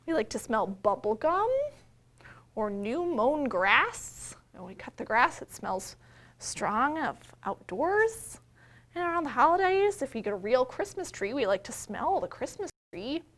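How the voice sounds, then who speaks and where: A woman's voice: high voice, big pitch swings, measured pace, fairly bright tone. An American woman, a children's librarian, leading a read-aloud story time with simple explanations addressed to small children. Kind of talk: read-aloud and sing-along for young children.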